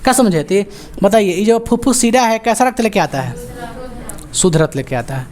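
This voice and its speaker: A woman teacher with a Bihari Hindi accent, lecturing a class and firing quick call-and-response questions, joking and scolding as she goes. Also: medium pitch, expressive, a little mellow. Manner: quizzing students with rapid call-and-response questions.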